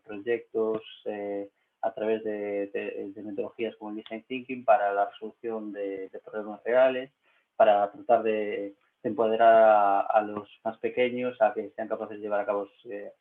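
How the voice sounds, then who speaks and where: A man with a Spanish accent from Spain, moderating a panel over a video call with a low voice and frequent hesitations. His audio comes through thin and tinny, like a phone line. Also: little pitch movement, normal speed. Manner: hesitant, many filler sounds. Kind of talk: casual online panel chat.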